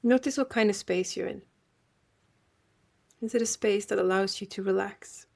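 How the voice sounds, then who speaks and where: Woman softly guiding a meditation. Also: medium pitch, creaky. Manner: gentle, unhurried, with long pauses. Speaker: meditation guide and host. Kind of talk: guided meditation.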